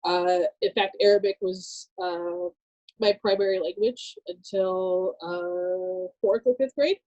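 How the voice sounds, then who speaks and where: A woman in her thirties from Southern California, a podcast guest telling her life story in a relaxed way, laughing easily and using many fillers. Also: mid-range voice, slow pace, creaky, dull audio. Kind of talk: personal testimony in casual chat.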